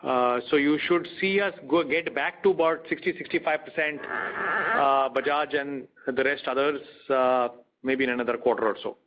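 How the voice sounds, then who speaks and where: A man's voice: medium pitch, moderate pace, slight background noise. A man with an Indian accent, a bank executive explaining figures matter-of-factly on an earnings call. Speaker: bank retail business executive. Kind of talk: earnings call question and answer. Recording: dull conference call audio.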